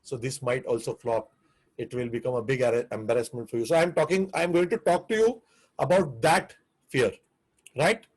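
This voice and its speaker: A man's voice: medium pitch, moderate pace. A man with an Indian English accent giving a live online coaching session on the restaurant business, earnest and rambling, often restarting his sentences.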